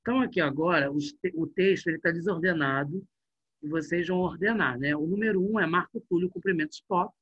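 A male teacher talks to his students in a bright, high, husky voice. He is lively and chatty, and speaks close and dry to a computer mic. The audio comes through dull and muffled. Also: a little fast, no room sound. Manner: lively, chatty, addresses class directly. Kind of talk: online class.

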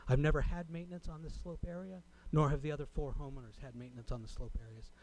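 A man speaking as a resident at a public meeting, delivering a prepared comment in a formal, deliberate way. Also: fairly high pitch, fairly even intonation, darkish tone, low-quality recording. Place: city council chamber.

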